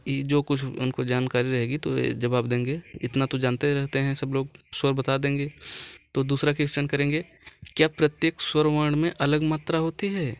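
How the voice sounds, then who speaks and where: A male teacher explains a lesson plan step by step in a patient, repetitive way, checking in with his listeners after each point. His voice sits at an ordinary middle pitch. The recording is dry and close, with no room sound. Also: clear, resonant tone, no room sound. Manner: patient, repeats points, says "ठीक है" often.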